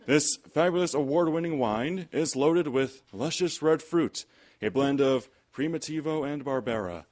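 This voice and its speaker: A man playing a genial radio host, announcing and pitching the sponsor in polished old-time radio style. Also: a little mellow.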